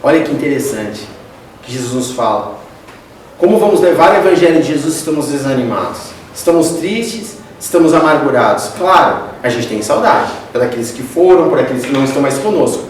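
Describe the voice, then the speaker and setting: A man's voice: mid-range voice, animated, fairly quick, slight background noise. A man with a Brazilian accent giving a conversational spiritist lecture, often addressing the audience directly as "gente". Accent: Brazilian Portuguese. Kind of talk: religious lecture. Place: lecture hall. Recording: echoey hall, distant mic.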